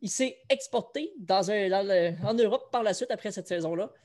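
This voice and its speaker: A man's voice: sits high, normal speed, darkish tone. A man with a Quebec French accent hosts a casual sports chat show. He talks loosely and keeps things moving as he runs a trivia quiz for viewers. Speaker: host.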